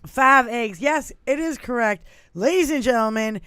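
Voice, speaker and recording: Woman, 50s, live-show co-host; smooth, clear tone, dead dry mic, rowdy and profane. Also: fairly high pitch, normal speed, fairly bright tone, no echo. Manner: boisterous, swears freely, laughs often. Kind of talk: loose live-stream banter.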